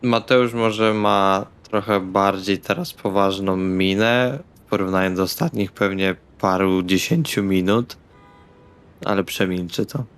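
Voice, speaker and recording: A man playing a tabletop role-playing game, casually speaking in character and describing his actions. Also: fairly low pitch. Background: music.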